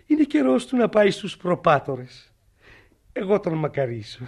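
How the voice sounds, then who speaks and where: An actor in a radio play, playing a clumsy clerk who declaims pompously. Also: male voice, sits high, very animated, slight background noise.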